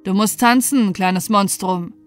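A woman voicing an angry nobleman who speaks loudly and commandingly, in a read-aloud fairy tale. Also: mid-range voice, unhurried, faint music behind, close to an everyday voice. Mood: harsh. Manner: loud, commanding. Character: harsh angry nobleman uncle, man.

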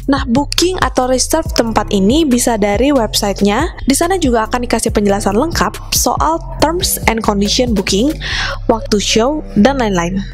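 A woman's voice: on the high side, expressive, normal speed, soft background music. A young woman narrating a casual restaurant review vlog in a chatty way, often addressing viewers as guys. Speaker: vlogger.

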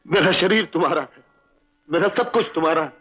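An actor playing a loyal, wisecracking family friend in a 1960s Hindi film, joking at times and earnestly pleading at others. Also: male voice, a little high, fairly quick, slightly rough. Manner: joking one moment, pleading the next. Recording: dull old film soundtrack with music.

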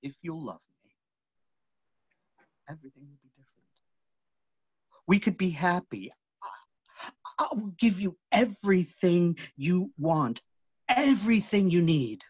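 A man playing a tormented, obsessive phantom in a staged reading, halting and dramatic, moving between hushed and loud. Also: high-pitched, big pitch swings, breathy edge, dry recording, full character voice. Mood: anguished. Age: middle-aged. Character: tormented, obsessive masked phantom, possessive male lover. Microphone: computer mic on video call. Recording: muffled video call audio.

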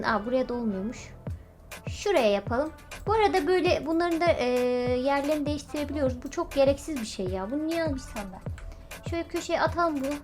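A woman giving playful, chatty commentary on her gameplay as a YouTuber, joking at other players. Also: high voice. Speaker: gaming YouTuber.

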